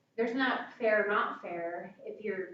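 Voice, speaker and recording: Here a woman at medium pitch talks with lively intonation. Audible room echo and noticeable background noise surround her voice. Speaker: real estate trainer. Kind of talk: training workshop. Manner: fast.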